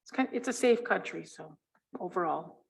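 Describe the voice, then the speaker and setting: Woman on a tribal council, friendly and unhurried. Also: lowish voice, expressive, vocal fry. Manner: friendly, unhurried, trailing off with soft laughs. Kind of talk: welcoming remarks at a meeting. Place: council meeting room.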